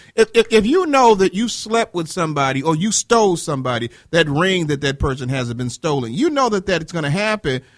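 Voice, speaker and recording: A loud, high-pitched man speaks in an animated tone at a fairly quick pace with hardly any pauses and very wide pitch swings, the sound dry and close with no echo. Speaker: radio talk show host. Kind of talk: call-in radio talk show.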